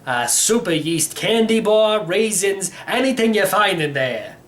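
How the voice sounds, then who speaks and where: A man's voice: sits high, animated, measured pace, fairly bright tone, voice pushed up. A man voicing a cheerful, reckless, eccentric old uncle from a storybook in a theatrical, breezy manner. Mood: breezy, hungry. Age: older. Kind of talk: storybook character voice.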